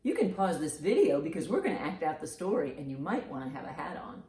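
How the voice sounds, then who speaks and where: A storytime host and children's librarian reads aloud to young listeners with lots of expression, stopping to ask them simple questions. She talks fast in a low, warm, very animated voice.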